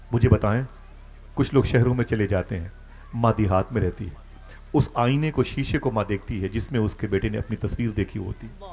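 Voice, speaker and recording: A male Islamic preacher telling a religious story at a gathering, acting out the dialogue with sudden high, loud outbursts. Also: slightly rough.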